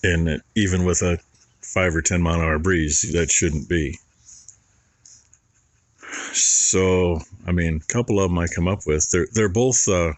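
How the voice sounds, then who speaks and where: A farmer vlogger with a low-pitched voice speaks casually and plainly, rambling in a folksy way as he films outdoors near a barn on his farm. The recording sounds dry.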